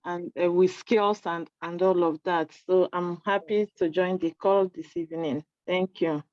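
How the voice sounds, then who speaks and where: Brief: Nigerian woman academic, earnest and measured, dry lo-fi call line. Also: fairly low pitch, fairly even intonation, darkish tone, no echo. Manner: earnest, measured, slightly hesitant. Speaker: lecturer and NGO director. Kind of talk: formal self-introduction on a call. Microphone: video call.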